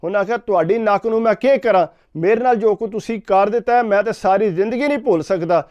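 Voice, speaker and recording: A man's voice: sits high, fast talker, darkish tone. A man, vlogging as he retells someone's story in casual storytelling, framing every sentence with "he said". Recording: dull lo-fi recording.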